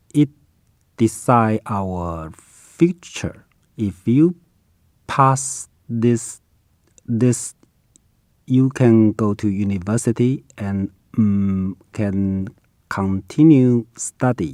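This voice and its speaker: A man with a Vietnamese accent speaks at a medium pitch and a very slow pace, leaving long, frequent pauses. His tone is dark and mellow, the sound dry and close with no echo, on a very clean recording with a silent background. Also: ordinary pitch variation. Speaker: test-taker giving sample response. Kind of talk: spoken exam answer. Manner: halting, with fillers.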